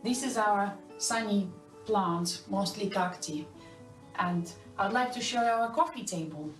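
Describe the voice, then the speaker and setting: A woman's voice: medium pitch, unhurried, distant mic. Woman from Estonia, earnest home video tour, echoey room, recorded from afar, faint music behind. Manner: earnest, slightly non-native phrasing. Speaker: viewer showing her indoor garden. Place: home interior with plants.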